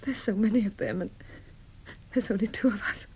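An actress playing an anxious, fragile catastrophe survivor in a 1960s radio drama, hesitant and pleading. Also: female voice, medium pitch, fairly quick, a little mellow, lightly acted. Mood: frightened. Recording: noisy old radio drama recording.

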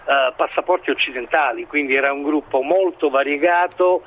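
A man giving expert current-affairs analysis in an interview, speaking in a halting, hesitant way as he builds his points. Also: a little high, lo-fi sound. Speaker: expert commentator being interviewed.

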